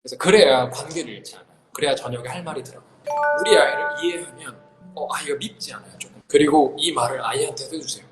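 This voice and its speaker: A man's voice: a little high, quick pace, music in the background. A man giving a sex education lecture to parents, animatedly acting out family scenes. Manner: lively, acts out family scenes in quoted voices. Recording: echoey hall with long reverb.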